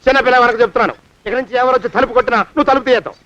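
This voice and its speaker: Brief: bossy penny-pinching master, barking rapid orders; high voice, dull old film sound. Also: male voice, pushed and bright. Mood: lecturing. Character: bossy stingy man, master of servants. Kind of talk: film comedy dialogue.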